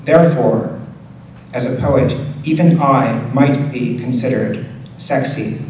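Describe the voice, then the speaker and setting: A man reading poetry aloud as a poet, in a measured, deliberate delivery with pauses between short phrases. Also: mid-range voice, a little mellow. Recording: very echoey room, distant mic, faint noise.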